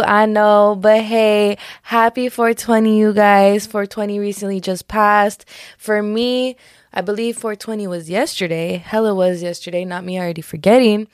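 A young woman hosting her podcast in a casual, slangy chat, her voice raspy today. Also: mid-range voice, no room sound, clean studio sound. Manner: chatty, slangy, lots of fillers. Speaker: podcast host.

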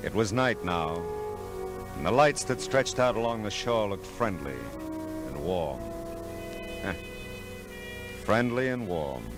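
A weary, protective private eye from old radio noir. His pitch moves freely in a clipped, wry, tough-talking delivery. It is an old radio broadcast with music behind. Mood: weary, tender. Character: hard-boiled male private detective, wry, weary, protective. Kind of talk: 1950s radio drama acting and noir narration.

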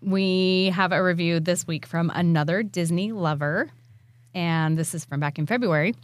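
A woman's voice: on the low side, normal speed, dry recording. A woman in her thirties co-hosting a podcast in casual chat, laughing often. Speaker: podcast co-host.

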